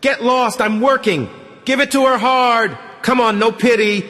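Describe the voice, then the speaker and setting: A man voicing a harsh, scornful young woman who shouts shrilly. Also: extremely high pitch, unhurried, big-room sound, voice pushed up, full character voice.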